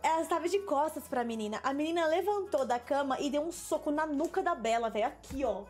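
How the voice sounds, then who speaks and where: A young woman with a Brazilian Portuguese accent, telling a story in casual chat as a gaming video host, animated and quick to act out what people said. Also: high voice, faint music behind. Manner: animated, laughing storyteller who acts out quotes. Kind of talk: casual storytelling while playing a game.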